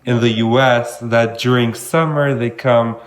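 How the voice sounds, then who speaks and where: Young man from Kosovo, mid-pitched, friendly rambling podcast talk. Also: steady tone, measured pace. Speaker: podcast co-host. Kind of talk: casual chat.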